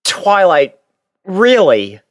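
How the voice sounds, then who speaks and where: A man's voice: high voice, sing-song, extremely slow, dry recording, studio quality, pitched above the performer's own voice, full character voice. A man playing a bashful, earnest young student in love, speaking hesitantly and sincerely in fan fiction dialogue.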